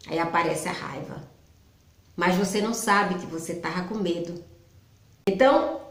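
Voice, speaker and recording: Middle-aged woman host, mid-pitched, chatty explainer, roomy echo. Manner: conversational, personal, with frequent "então" restarts. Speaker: psychology channel host. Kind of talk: informal explanatory talk.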